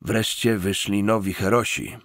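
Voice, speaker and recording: A man's voice: on the low side, fairly even intonation, measured pace, a bit bright, dry recording, studio quality. A man voicing a stocky, easygoing gangster sidekick in an audiobook, with casual, slangy street talk. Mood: eager.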